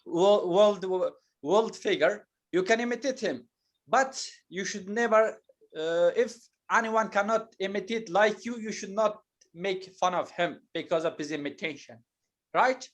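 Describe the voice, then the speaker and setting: A man teaching an English lesson, explaining patiently and slowly with many hesitations and fillers. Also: high-pitched. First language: not Turkish.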